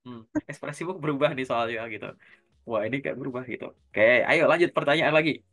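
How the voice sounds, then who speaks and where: A man with a bright, forward voice coaches job seekers in an easygoing talk. He works through simple everyday examples and keeps asking his listener questions to pull her along. Soft music plays faintly underneath. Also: medium pitch, a little fast. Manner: keeps tagging sentences with a casual filler. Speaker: career coach.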